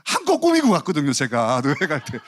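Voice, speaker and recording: A man's voice: a little high, huge pitch swings, quick pace. A man in his forties preaching a Sunday sermon as pastor, telling stories with acted quotes and self-mocking humor. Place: church sanctuary.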